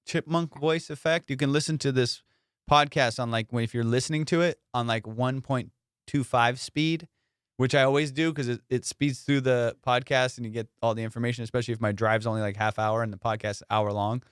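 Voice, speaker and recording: A man's voice: medium pitch, steady tone, a little fast, clean tone, dry recording. A male comedian hosting a podcast in casual, slangy, profane chat with a teasing comic manner, recorded close.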